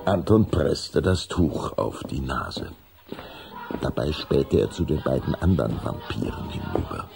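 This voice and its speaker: A man as a measured storybook narrator in a children's audio drama, reading a scripted story. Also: rumbling low, expressive, gravelly, music in the background, full character voice. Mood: narrating.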